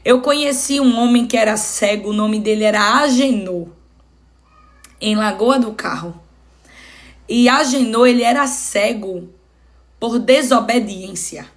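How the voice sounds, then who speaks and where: A woman preaching a Bible study sermon, emphatic and repeating phrases for stress. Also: on the high side. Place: home live stream.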